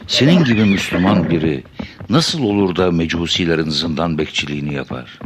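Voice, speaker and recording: An actor playing a pious older father who has escaped from prison, speaking calmly and fatherly. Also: deep voice, brisk, a crowd in the background.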